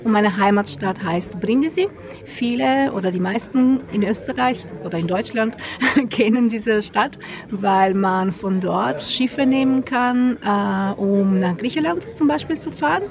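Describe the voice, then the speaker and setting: A woman's voice: medium pitch, a little slow. A woman from Italy with an Italian accent, speaking German as a podcast guest in a casual chat, hesitant with many fillers. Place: outdoor wine tavern with other guests around. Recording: clear crowd noise behind. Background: crowd chatter.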